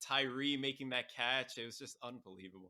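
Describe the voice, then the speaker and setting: Speaking with an American accent, a man keeps a medium pitch. His intonation is fairly even. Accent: New York accent, comes out at times. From New York area. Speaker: podcast host. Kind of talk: casual chat.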